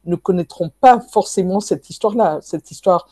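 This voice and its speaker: A woman's voice: on the low side, moderate pace, warm tone, slightly rough, dry recording. Dry-sounding woman interviewer, winding questions. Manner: long winding questions with restarts.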